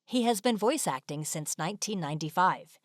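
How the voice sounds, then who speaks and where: A woman delivers scripted video narration in a fairly low voice. The sound is dry, like a studio voice-over, with no room echo. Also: animated, brisk.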